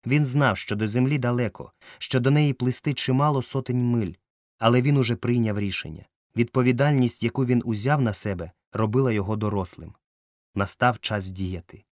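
A male narrator reads scripted audiobook text in a measured manner. His voice is mid-range, and the studio recording is clean with no room sound.

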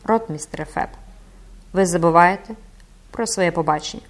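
A woman puts on a grim, ghostly man in a cloak, speaking low and cold. His voice sounds hollow, as if from beyond the grave. It is a storybook villain, quiet and menacing. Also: normal speed, lightly acted. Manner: low, cold, sepulchral delivery.

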